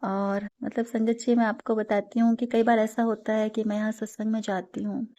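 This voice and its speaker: A woman's voice: a little high, little pitch movement, normal speed, mellow, dull audio. Earnest woman giving a devotional testimony. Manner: earnest, mixes English words into Hindi. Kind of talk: personal spiritual testimony.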